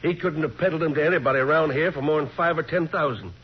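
Folksy, husky-voiced radio sheriff. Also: male voice, on the high side, fast talker. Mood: blunt, excitable. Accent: American. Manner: colloquial, exclamatory. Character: blunt, folksy small-town sheriff, a man. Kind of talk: 1940s radio crime drama acting. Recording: dull 1940s radio recording.

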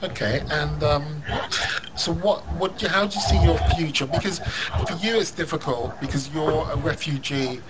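A male podcast host with a fairly high voice rambles through his questions, restarting his sentences and filling gaps with "you know". Loud noise sits under the whole recording. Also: normal speed. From London. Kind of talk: casual interview.

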